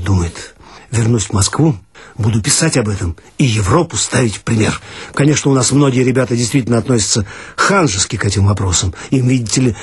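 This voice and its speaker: A man's voice: medium pitch, slightly rough, no room sound. A man reading a comic story aloud with ironic, mock-serious narration. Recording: dry archival radio recording.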